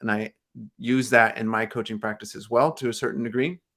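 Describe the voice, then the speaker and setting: A man talks in a normal speaking voice at a medium pitch. His pace is fairly quick. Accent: American. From California, Central Valley. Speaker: business coach. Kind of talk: interview.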